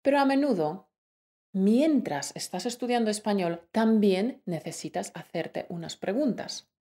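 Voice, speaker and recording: Clear-spoken woman teaching podcast lesson. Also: mid-range voice, animated, unhurried, warm tone. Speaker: co-host of a Spanish-learning podcast.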